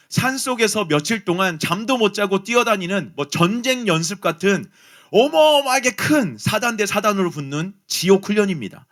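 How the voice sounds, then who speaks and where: A man preaching a youth sermon, telling a personal story and speaking straight to his listeners. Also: high-pitched. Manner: animated storytelling, addresses listeners directly. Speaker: pastor.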